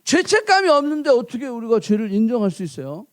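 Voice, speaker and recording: A man preaches with a playful storyteller's flair, his high voice leaping up and down as he spins a tale. The sound is close and dry, with no room around it. He keeps drawing listeners in with questions. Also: fast talker, dry recording. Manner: animated, playful, acts out characters. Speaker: pastor. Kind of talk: sermon with lively storytelling.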